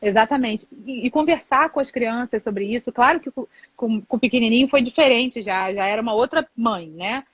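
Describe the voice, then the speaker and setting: A high-voiced woman in her thirties shares her thoughts as a mother on a live stream, reflective and open, often closing with "né". The sound is dry and dull, like lo-fi stream audio over a video call. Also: brisk, hardly any pauses, slightly rough, dry recording. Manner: reflective, candid, many filler "né". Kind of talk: casual conversation on a live stream.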